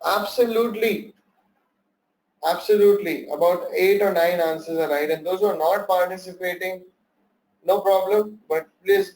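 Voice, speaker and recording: A man's voice: sits high, rough recording. A young man teaching options trading in a live online workshop, quizzing his audience and repeating key points. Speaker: trading instructor.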